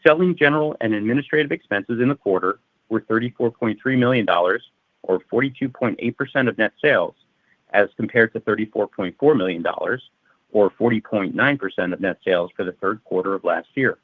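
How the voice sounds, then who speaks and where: Reading aloud from a prepared results presentation, this male finance executive stays formal and methodical. He speaks fairly quickly at a fairly low pitch, with no room sound, on a narrow-band phone conference line.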